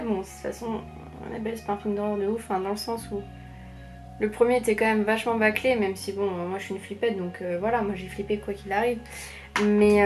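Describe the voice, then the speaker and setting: A woman's voice: medium pitch, a little mellow. A young woman chatting casually through a makeup tutorial, rambling with many fillers, recorded on a camera mic at home. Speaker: beauty vlogger. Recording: faint background music.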